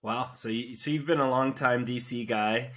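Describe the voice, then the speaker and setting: A man's voice: medium pitch, fairly even intonation, normal speed, fairly bright tone. A man hosting a podcast, asking curious, friendly questions with plenty of fillers. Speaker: podcast host. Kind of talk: conversational interview.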